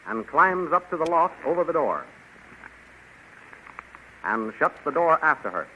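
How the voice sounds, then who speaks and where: A man's voice: a little high, sing-song, unhurried, bright, forceful tone. A man narrating a 1930s radio serial in a dramatic, announcing manner. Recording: dull, hissy 1930s radio transcription.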